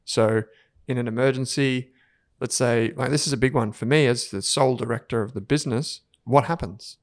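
A man co-hosting a finance podcast, talking in a relaxed, conversational way. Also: mid-range voice, normal speed, no room sound, clean studio sound. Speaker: podcast co-host. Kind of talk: casual finance podcast chat.

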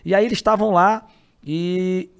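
A man telling animated stories as a guest in a casual interview. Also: sits high, moderate pace, clear, resonant tone. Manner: animated anecdotes with quoted voices. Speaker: guest comedian.

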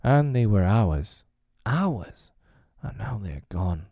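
Guy doing a blustery sarcastic dad from a storybook, loud n dramatic, voice swooping about, very dry recording. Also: fairly low pitch, very animated, slow, no echo, exaggerated voice. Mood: mournful groaning. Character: blustering, self-pitying, theatrical middle-aged father. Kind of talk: storybook character reading.

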